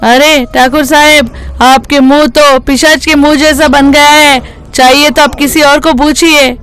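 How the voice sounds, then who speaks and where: A woman's voice: sits high, steady tone, unhurried, fairly bright tone, faint music behind. Woman doing a panicky village man. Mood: terrified. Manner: pleading, exclaiming. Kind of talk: animated storybook voice acting.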